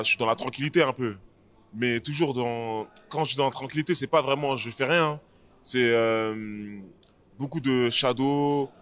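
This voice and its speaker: A man's voice: mid-range voice, fairly bright tone. A man who is an MMA fighter, answering interview questions casually and hesitantly, with many fillers and restarts. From France.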